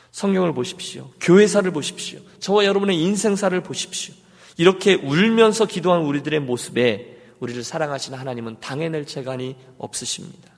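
A man preaching a sermon as pastor, swinging between loud urging and hushed pleading. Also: medium pitch, creaky, big-room sound. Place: church sanctuary.

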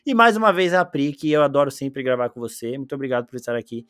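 A young Brazilian man hosting a podcast, chatting casually and excitedly about a film, full of slang and exclamations. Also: medium pitch, fast talker, clean tone, no echo, studio quality. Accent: Brazilian Portuguese. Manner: animated, slangy, exclaims often. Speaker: podcast host. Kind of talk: casual film review chat.

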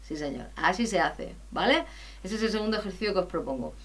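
Woman from teaching singing, chatty, bright tone, keeps asking if you got it. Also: medium pitch, lively intonation, fast talker, husky. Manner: chatty, explains step by step with frequent checks; sings loud sustained vowel demos. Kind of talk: podcast lesson on vocal technique.

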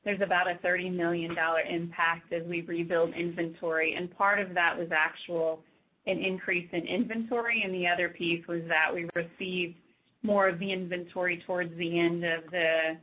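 A woman executive answering questions on an earnings call in a measured, matter-of-fact manner. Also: lowish voice, little pitch movement. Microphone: conference call. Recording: dull, lo-fi conference call line.

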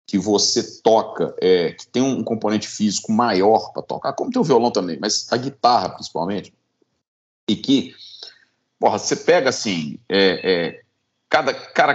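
A man in casual conversation about guitars, animated and swearing, often restarting his sentences. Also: on the low side. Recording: dull lo-fi sound.

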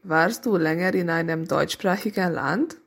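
A woman's voice: lowish voice, moderate pace, vocal fry, husky. A woman interviewer reading prepared questions in a plain, direct way.

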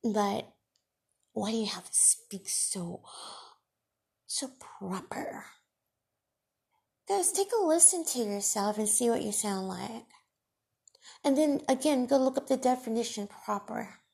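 A woman podcast host and radio broadcaster with Farsi as her first language, talking in a deliberate, emphatic monologue that scolds her critics. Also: a little high, expressive, vocal fry, warm tone, husky.

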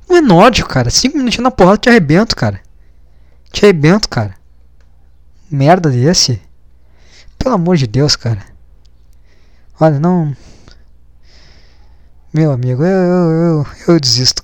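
Exasperated mocking man, slightly high voice. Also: no room sound. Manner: mocking, exasperated, swears a lot, says "cara" often. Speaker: video commentator. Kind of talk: casual reaction commentary.

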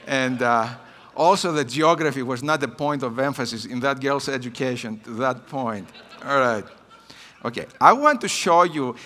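Speaking in a church hall with a long reverb tail, this guest missions speaker from Greece has a mid-range voice that sounds pushed and bright. He's around fifty, a native Greek speaker with a matching accent, and his personal conference talk is peppered with hesitant fillers.

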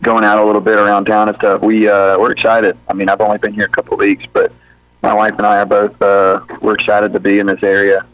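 A man in his thirties, a high school football head coach from Birmingham, talking through an interview in an easygoing, rambling way with lots of fillers and restarts. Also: no echo. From Birmingham, Alabama. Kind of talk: interview on a sports radio show. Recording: dull lo-fi radio audio.

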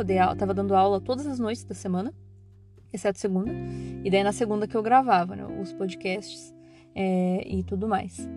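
A Brazilian woman chats on her own podcast in a loose, rambling way, full of fillers and restarts. Her pitch sits in an ordinary middle range. Guitar music plays clearly underneath her voice. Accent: Brazilian Portuguese. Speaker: podcast host and radiology teacher. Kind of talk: casual solo podcast chat.

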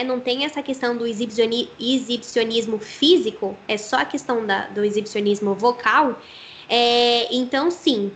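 A woman's voice: on the high side, a bit bright, slight background noise. A Brazilian woman who works as a voice actress, explaining her craft thoughtfully in an interview. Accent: Brazilian Portuguese.

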